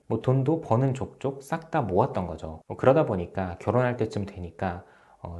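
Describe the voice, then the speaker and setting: A man in his thirties, a relationship counselor, calmly giving advice to his viewers, with frequent filler sounds between phrases. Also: fairly low pitch. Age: 30s. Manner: calm, steady explaining with frequent "uh" fillers. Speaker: relationship counselor and channel host. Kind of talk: advice talk to camera.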